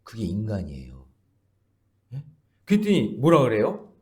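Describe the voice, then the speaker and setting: Animated Korean pastor preaching with sweeping pitch. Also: male voice, a little slow. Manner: emphatic, swinging between loud exclamations and soft asides; talks directly to the congregation with questions. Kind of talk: early-morning prayer service sermon.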